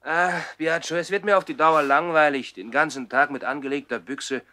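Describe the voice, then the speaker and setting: An actor in a 1960s radio play as a self-assured, headstrong young nobleman with a crisp, commanding manner. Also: fairly high pitch, fairly even intonation, normal speed, sharp tone. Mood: eager, demanding.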